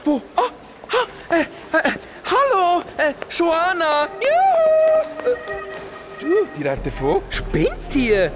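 A woman's voice: very high-pitched, huge pitch swings, slow pace, pauses often, music in the background, heavily acted. A woman with a Swiss German accent, playing a flamboyant, theatrical trans woman who is easily flustered, in an audio drama. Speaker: main character in an audio drama.

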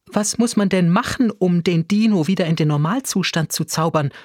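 A man's voice: mid-range voice, wildly swooping pitch, a little slow, no room sound, studio quality. A man voicing a nervous female schoolteacher who asks anxious questions.

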